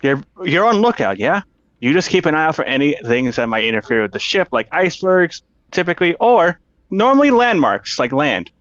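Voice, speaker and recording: Guy playing a tabletop game, chatty and lively intonation, dry kinda dull mic. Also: on the high side, brisk, dry recording. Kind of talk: casual in-game chat.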